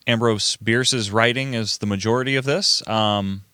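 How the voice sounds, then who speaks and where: A man's voice: lowish voice, fairly even intonation, normal speed, sharp tone, smooth, dry recording. A man acting as narrator and reader in an amateur recording of a dramatic reading. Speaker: narrator and reader of all parts.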